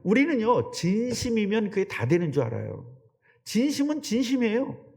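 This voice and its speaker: A middle-aged man preaching a sermon as pastor, conversational and animated, often putting questions to the congregation. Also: high-pitched, normal speed, gravelly. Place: church sanctuary. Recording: long church hall reverb.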